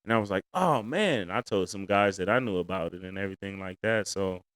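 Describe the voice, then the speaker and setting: A man's voice: low voice, little pitch movement, fast talker, fairly bright tone, clear, resonant tone, dry recording, studio quality. A man with an African American accent talking casually and emphatically on a podcast as a comedian guest, using plenty of slang.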